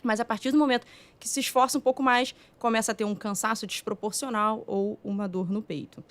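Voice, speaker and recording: A woman cardiologist with a Brazilian Portuguese accent, calmly and methodically explaining heart disease in a podcast studio. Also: a little high, fairly quick. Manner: calm, methodical explaining with frequent "né". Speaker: cardiologist guest. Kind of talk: explanatory medical talk.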